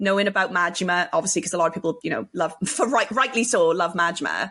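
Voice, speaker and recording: Over music in the background, a woman with a Welsh accent and a medium pitch talks at a very fast pace with lively intonation. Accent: Welsh twang. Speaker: Twitch streamer and content creator. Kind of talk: casual chat. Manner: animated.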